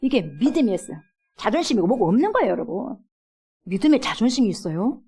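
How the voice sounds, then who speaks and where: A middle-aged woman pastor preaching a sermon in a church, acting out pleas and swinging between loud and hushed. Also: a little high, big pitch swings, fast talker, husky. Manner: dramatic, acts out quoted pleas with big swings from loud to hushed. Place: church sanctuary.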